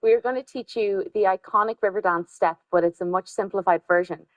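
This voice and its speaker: A woman's voice: mid-range voice, brisk, no room sound. Encouraging woman dance instructor. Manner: encouraging, counting out steps. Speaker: dancer in a touring dance show. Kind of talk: teaching dance steps on TV. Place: TV studio.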